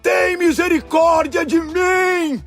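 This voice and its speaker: A man voicing a blind beggar who cries out loudly and desperately for mercy in a dramatized Bible audiobook. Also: sits high, sing-song, gravelly, soft background music, pitched above the performer's own voice, heavily acted. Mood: desperate pleading. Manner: loud drawn-out pleading cries.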